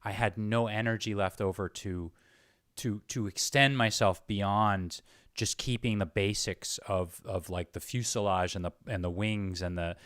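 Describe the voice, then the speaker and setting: Low-voiced man, reflective interviewer. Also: steady tone, a little slow, fairly bright tone, no echo, clean studio sound. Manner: searching for words, repeating phrases. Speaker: interviewer, host. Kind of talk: casual reflective conversation.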